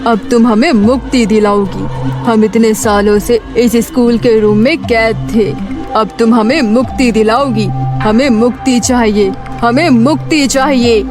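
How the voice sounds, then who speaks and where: A woman's voice: on the high side, fairly even intonation, over music, close to an everyday voice. A woman playing a vengeful ghost schoolteacher in a horror cartoon, with menacing declarations. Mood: menacing, eager. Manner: menacing, slow declarations, repeated demands. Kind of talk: dramatic horror cartoon voice acting.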